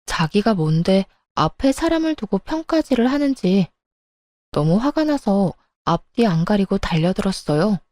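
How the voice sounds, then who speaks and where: Mellow-voiced woman narrating a true story. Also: mid-range voice, sing-song, normal speed, no echo. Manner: indignant, conversational storytelling in first person.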